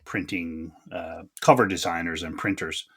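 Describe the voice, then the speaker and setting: A man's voice: low-pitched, steady tone, normal speed, pushed and bright, husky. A man hosting a podcast, chatting casually and chummily with his guest. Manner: chummy, calls guest buddy and sir. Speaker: podcast host. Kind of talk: casual interview chat.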